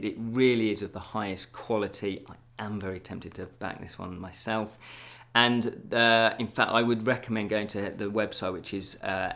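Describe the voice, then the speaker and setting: A man's voice: lowish voice, fairly bright tone. A man presenting an informal news show from a script, ad-libbing with self-deprecating jokes and tripping over words.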